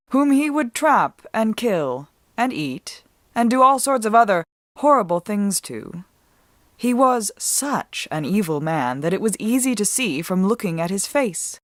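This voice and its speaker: A woman giving a dramatic, measured storybook narration, reading as an author with deliberate expression. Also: mid-range voice, very animated, no room sound, clean studio sound.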